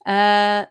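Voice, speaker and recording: A woman's voice: medium pitch, smooth. A young woman hosting a writing live stream, reading chat comments aloud in a cheerful, giggly way.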